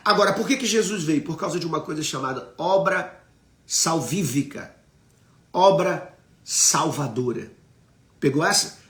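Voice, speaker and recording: A Brazilian man preaching on a live stream, his voice sitting a little high for a man. He teaches with emphasis, keeps asking his viewers questions and answers their comments. The sound is roomy and echoey. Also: fairly bright tone. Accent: Brazilian Portuguese.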